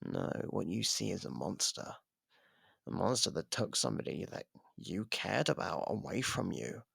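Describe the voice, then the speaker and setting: A low, heavily creaky voice, acted by a man, for a sardonic murderer behind bars in an ASMR roleplay. He taunts with theatrical pauses and a swooping, husky delivery, right up close on the microphone. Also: very animated, sharp tone, no echo, exaggerated voice. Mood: taunting. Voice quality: gravelly, husky. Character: taunting, sardonic imprisoned murderer baiting a detective. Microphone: close microphone, dry.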